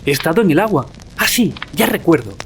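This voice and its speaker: A man's voice: fairly high pitch, very animated, fairly quick, slight background noise. An actor playing a frightened, weakened young man rescued from drowning in an audio drama, shaken. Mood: dazed, frightened. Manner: shaken, fearful.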